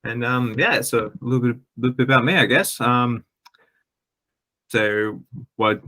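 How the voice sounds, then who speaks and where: A man's voice: mid-range voice, fairly even intonation, a little slow, sharp tone. A man with an Australian accent, chatting casually on a panel, friendly and hesitant with many fillers. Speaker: guest panelist. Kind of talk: casual chat.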